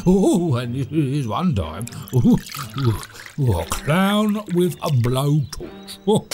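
A cheerful, chatty British manservant in an audio drama. He rambles and stammers through his monologue in a mid-pitched voice that swings up and down freely. Faint music sits behind him. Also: a little mellow. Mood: animated, gossipy. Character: chatty, cheerful, oft-killed manor servant named Todd.

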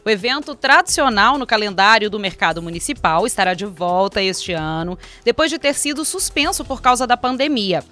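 Bright young woman reading city news. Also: medium pitch, expressive, normal speed, few pauses, soft background music. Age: young adult. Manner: reads from paper with chatty asides. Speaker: news presenter. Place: small radio studio with foam walls. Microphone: studio mic on desk.

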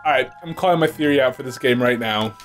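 A man's voice: medium pitch, fast talker, fairly bright tone, faint music behind. A man co-hosting a let's-play, making joking, teasing side comments. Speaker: game developer co-host. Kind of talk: casual let's-play banter. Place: indoor studio, seen on camera.

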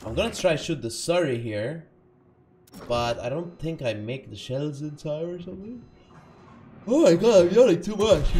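A man's voice: on the high side, a little hiss or hum. A man giving casual live commentary over his own gameplay, chatty and self-correcting, having just woken up. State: just woke up.

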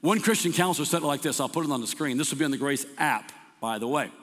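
A man preaching a sermon as pastor, emphatic, repeating words and slowing down to stress scripture. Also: on the high side, a bit bright. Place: church sanctuary. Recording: long hall reverb.

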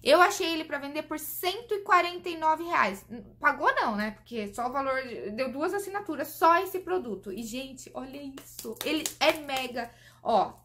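A high-pitched Brazilian woman chats eagerly to camera, reviewing beauty products. She keeps calling out to her viewers while she tries each one on her hands. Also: expressive, normal speed, sharp tone. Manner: chatty, enthusiastic, addresses viewers as "gente"; demonstrating products while talking. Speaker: beauty vlogger.

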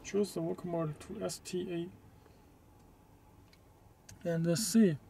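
A man with a high voice and a creaky edge walks through a product setup very slowly. He is not a native English speaker and talks in short, halting, simple phrases, like a hands-on tutorial recorded in a car. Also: steady tone, dark tone. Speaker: product demonstrator. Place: inside a parked car.

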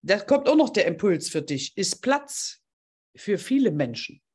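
A woman's voice: medium pitch, big pitch swings, measured pace, a little mellow, breathy edge. A woman hosting an online group coaching session, talking in an effusive, heartfelt way and addressing participants directly.

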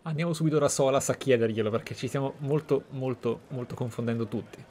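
A man's voice: medium pitch, fast talker, darkish tone, slight background noise. A man with an Italian accent hosting a roleplay game playthrough, commentating in a reflective, conversational way. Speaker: host, game streamer. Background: game music.

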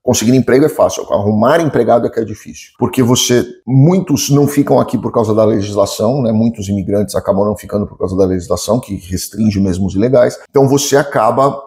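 A man's voice: fairly low pitch, fast, few pauses, dark tone. A man in his forties with a Brazilian accent, giving opinionated, conversational commentary to camera with emphatic repetition. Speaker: lawyer and business commentator. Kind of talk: informal explanatory commentary to camera. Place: home office or study with bookshelves, indoors.

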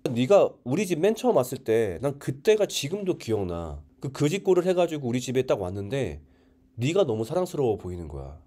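A man's voice: mid-range voice, very animated, brisk, dark tone. A man voicing a young older brother who speaks earnestly and coaxingly to his sibling. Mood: tender.

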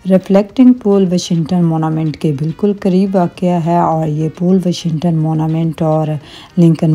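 Speaking in a fairly low register, a middle-aged vlogger gives calm voice-over narration for her family travel vlog. She uses religious greetings and hesitates slightly now and then.

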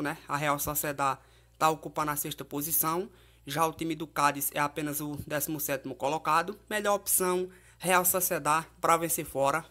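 A man's voice: fairly high pitch, sharp tone. Brazilian man giving football tips. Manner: conversational, frequent tag questions. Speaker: football betting tipster. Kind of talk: informal match preview and betting tips commentary.

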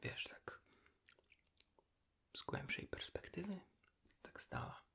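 A man whispers softly and intimately, in an unhurried ASMR chat as if to a friend. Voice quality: soft breathy whisper. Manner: hushed, intimate, unhurried, addressing the listener as a friend. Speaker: ASMR creator, host.

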